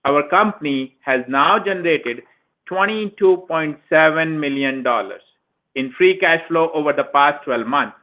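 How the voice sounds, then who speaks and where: A man's voice: fairly high pitch, measured pace. A man, a finance executive, formally reading scripted remarks on an earnings conference call. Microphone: conference call phone line. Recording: tinny narrowband phone line.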